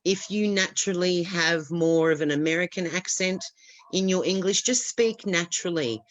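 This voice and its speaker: A woman's voice: on the low side, normal speed, no echo. A woman giving reassuring advice as an expert guest on a webinar, explaining with small restarts over a video call.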